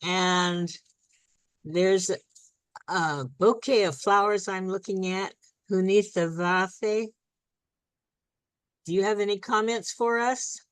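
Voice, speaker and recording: A woman's voice: medium pitch, steady tone, takes it slowly, pauses often, smooth, no room sound. Woman hosting the call, short friendly prompts, dry audio. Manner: brief and inviting. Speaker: meeting host. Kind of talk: hosting an online meeting. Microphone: video call.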